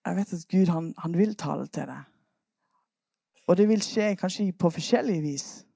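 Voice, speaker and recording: A woman preacher retelling a Bible story in a lively sermon, coaxing her listeners to act out the parts. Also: lowish voice, gravelly, no room sound, studio quality.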